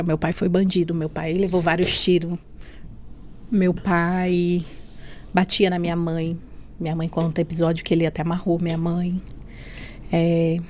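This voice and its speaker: A woman's voice: on the low side, a little hiss or hum. A woman sharing an emotional faith testimony on a podcast, acting out the dialogue she remembers and often adding tag questions. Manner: storytelling that acts out remembered dialogue; leans on tag questions and softening fillers. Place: podcast studio.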